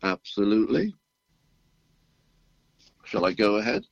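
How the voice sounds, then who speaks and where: An older man with a British accent, a retired physician chatting as a radio guest in an unhurried, self-deprecating way with dry humor. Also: on the low side, big pitch swings, gravelly, lo-fi sound. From United Kingdom. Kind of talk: relaxed radio interview chat.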